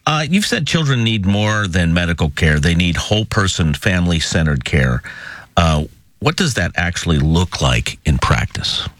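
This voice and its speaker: A man hosting an interview, asking questions and warmly affirming his guest's answers. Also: sits low, very animated, dry recording. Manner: friendly, quick to affirm. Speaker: interview host.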